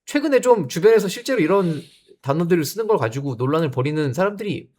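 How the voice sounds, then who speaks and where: A man hosts a political talk show with a high, very animated voice. He drives the conversation with quick interjections and light teasing of his guests. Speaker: host.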